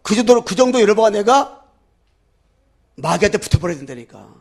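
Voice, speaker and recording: Male pastor, fervent sermon delivery, high gravelly voice, call-and-repeat with the congregation. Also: very animated, brisk. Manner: fervent preaching, with sudden loud declarations and low asides.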